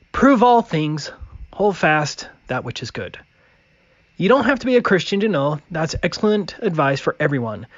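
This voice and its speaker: A man's voice: on the high side, no echo, highs cut off. A man delivering scripted video narration in an emphatic, declarative manner.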